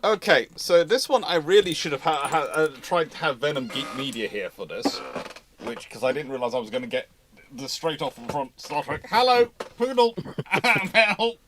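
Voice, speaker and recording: Bright-voiced, higher-pitched man hosting. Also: lively intonation, moderate pace, slight background noise. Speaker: host of a live naval history question show. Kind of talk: casual live Q&A chat.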